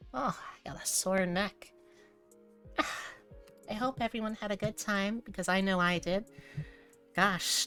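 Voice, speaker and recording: A woman with a low, smooth voice talks casually to her livestream viewers over music. She takes her time, and her wording is informal and playful. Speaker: livestreamer, VTuber host. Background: background music.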